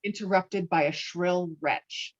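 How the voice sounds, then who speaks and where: A woman's voice: on the low side, slow, highs cut off. A woman reading stage directions as the narrator of a dramatic script.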